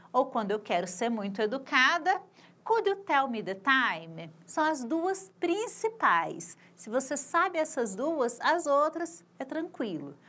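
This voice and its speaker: Woman, adult-ed English teacher, high voice, unhurried. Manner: patient, repeats phrases slowly and clearly. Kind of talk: recorded video lesson for adult learners.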